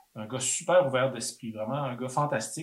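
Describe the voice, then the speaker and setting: With a medium pitch and fairly even intonation, a man talks at a fairly quick pace in a somewhat breathy voice. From Quebec City, Quebec. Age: 50s. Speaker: comic book artist. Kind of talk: interview conversation.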